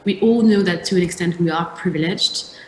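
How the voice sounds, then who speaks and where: A woman's voice: lowish voice, brisk, a little mellow, a little hiss or hum. A woman on a discussion panel, speaking emphatically and repeating words for stress. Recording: echoey room.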